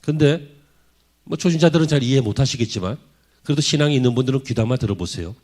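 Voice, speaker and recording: A man's voice: mid-range voice, expressive, fast talker, darkish tone. A man preaching a sermon as a pastor in a church, driving his points home with rhetorical questions to the congregation. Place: church sanctuary.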